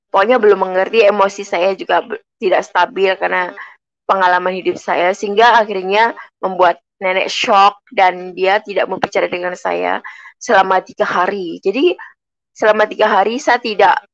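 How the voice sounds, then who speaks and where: Gravelly-voiced woman giving a testimony. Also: medium pitch, no echo, muffled recording. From Indonesia. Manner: earnest storytelling, addresses listeners as friends. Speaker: testimony speaker. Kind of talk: personal faith testimony.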